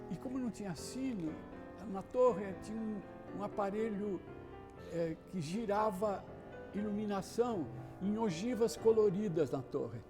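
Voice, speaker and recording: A man recalling old memories in an unhurried testimony, often adding "né". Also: sits high. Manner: nostalgic, unhurried, with many "né" tags. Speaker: interviewee sharing memories. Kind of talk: reminiscing testimony. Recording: piano music underneath.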